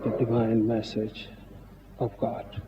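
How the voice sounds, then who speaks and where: Very slow, solemn man in a reverberant hall. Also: fairly low pitch, monotone, background noise. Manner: solemn, halting, short phrases with long pauses. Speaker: Sufi spiritual teacher giving an address. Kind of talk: devotional speech. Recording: muffled 1950s archive recording, reverberant hall, phone-like.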